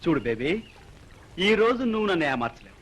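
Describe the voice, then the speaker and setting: A playful young lover, high and lively. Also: male voice, quick pace. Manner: teasing, playful. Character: playful young man teasing his sweetheart. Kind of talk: 1980s Telugu film dialogue. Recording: film soundtrack with loud music.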